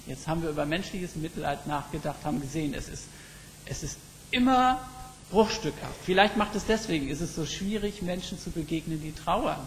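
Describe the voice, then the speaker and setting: A man preaching a sermon, reflective and slow, telling stories with emphatic pauses. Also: fairly high pitch, lively intonation. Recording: long reverb with faint background noise.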